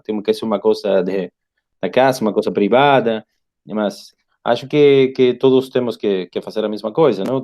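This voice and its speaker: A middle-aged Argentine professor, a native Spanish speaker, lectures informally in a halting mix of Portuguese and Spanish, repeating words and adding tag questions. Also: male voice, lowish voice, a little mellow. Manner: often ends phrases with a tag question. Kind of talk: informal online lecture and discussion.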